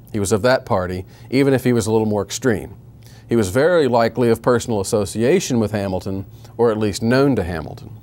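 A man giving a history lecture in a measured way, reading out period quotations with rhetorical emphasis and a few restarts. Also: medium pitch, darkish tone.

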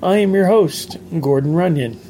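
A man's voice: sits high, moderate pace, mellow, a little hiss or hum. A man hosting a podcast in casual chat, joking and playful with his co-hosts. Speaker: podcast host.

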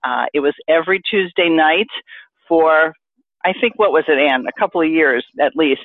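A woman's voice: low voice, no room sound. Woman host on a tinny line. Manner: measured, conversational questioning. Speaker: podcast host. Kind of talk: interview. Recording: tinny phone-line sound.

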